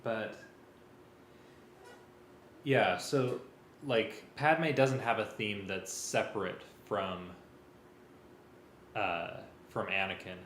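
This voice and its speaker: A music arranger preparing a live table read speaks very slowly in a lowish, slightly bright voice with fairly even intonation and frequent pauses. Casual and hesitant, he thinks aloud while working and sometimes reads from a script, in an echoey room with faint noise.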